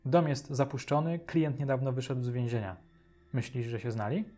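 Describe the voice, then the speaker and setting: A man's voice: mid-range voice, fairly even intonation, normal speed, dark tone, soft background music, close to an everyday voice. A man voicing a weary police commissioner. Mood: thoughtful. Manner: tired, reflective. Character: weary middle-aged male police commissioner father. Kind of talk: audiobook character voice.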